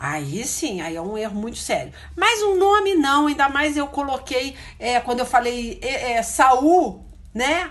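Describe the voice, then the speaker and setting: With noticeable background noise and audible room echo, a woman speaks fairly slowly at a high pitch, her voice swinging very widely. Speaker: preacher. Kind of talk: sermon. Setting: indoors at a desk.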